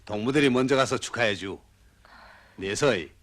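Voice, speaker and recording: A modest, kindly man with a North Korean accent played by an actor, a party secretary in film drama. His mid-pitched voice is understated and brief. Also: normal speed, a bit bright, close to an everyday voice. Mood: modest, calm.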